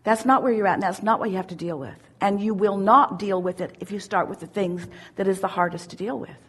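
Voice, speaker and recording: A woman giving a spiritual teaching at a seminar, speaking as "we" in an emphatic, drawn-out way. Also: mid-range voice, slightly rough. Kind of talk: channeled teaching in first person plural.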